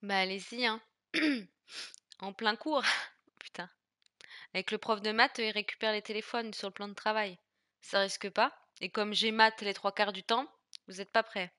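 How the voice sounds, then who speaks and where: A young French woman streaming a horror game, chatting casually and swearing in loud bursts, with a stuffy nose from being sick. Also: mid-range voice, steady tone, moderate pace, no room sound. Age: 20s. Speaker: gaming streamer. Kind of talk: casual let's play commentary.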